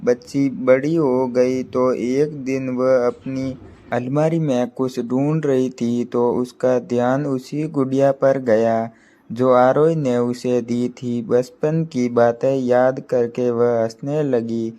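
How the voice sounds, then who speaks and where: A man narrating a short emotional story at a slow, halting pace. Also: medium pitch, steady tone, mellow. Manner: slow, halting reading with restarts.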